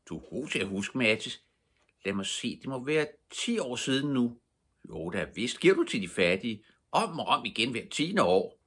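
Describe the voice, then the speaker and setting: A man's voice: medium pitch, sing-song, a bit bright, husky, pitched above the performer's own voice. A man voicing a sly, giggling old robber in a storybook reading. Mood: teasing.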